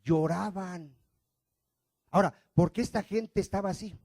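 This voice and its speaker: A male pastor, preaching a sermon, firing rhetorical questions at the congregation and swinging between loud emphatic lines and quiet ones. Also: high voice, a little slow, gravelly, breathy edge, dry recording.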